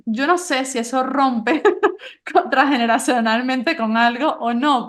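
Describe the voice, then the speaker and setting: A high-pitched woman, hosting a podcast conversation. She tells personal stories animatedly, quoting herself and laughing along the way. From Venezuela. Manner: warm, animated storytelling with laughs. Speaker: podcast host.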